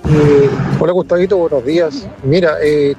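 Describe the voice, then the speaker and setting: A man's voice: fairly high pitch, steady tone, normal speed, loud music behind the voice. A man calling in, wry and rueful. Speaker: caller.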